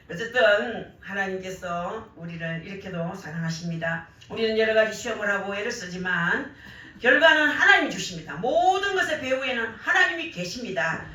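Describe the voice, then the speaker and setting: An older woman with a worn, hoarse voice and a Gyeongsang Korean accent, preaching with animated storytelling and acted-out remarks. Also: on the high side. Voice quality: worn, hoarse voice damaged by years of crying out in prayer. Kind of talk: sermon with personal anecdotes. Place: church service, roomy indoor hall. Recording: very echoey church hall, distant mic.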